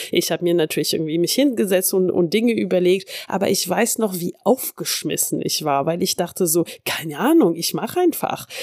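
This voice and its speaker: Her medium-pitched, lively intonation comes through in a plain, everyday voice as this woman speaks. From France, bilingual French-German. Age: 40s. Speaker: team leadership mentor and podcast host. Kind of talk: solo podcast monologue.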